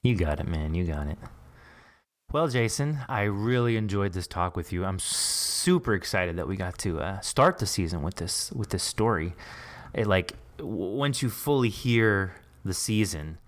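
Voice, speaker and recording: Encouraging male podcast host, lowish voice. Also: expressive, measured pace. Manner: encouraging, affirming. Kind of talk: casual interview chat.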